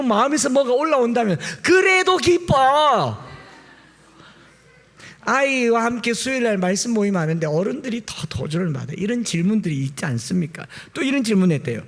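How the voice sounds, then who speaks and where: A male pastor preaching a Sunday sermon, swinging between loud exclamations and quiet, low asides.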